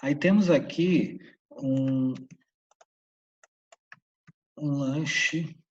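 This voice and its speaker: A man's voice: fairly high pitch, very slow, slightly rough. A man with a Brazilian Portuguese accent teaching English vocabulary online, explaining patiently, repeating English words aloud and checking in with short questions. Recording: distant, dull lo-fi mic.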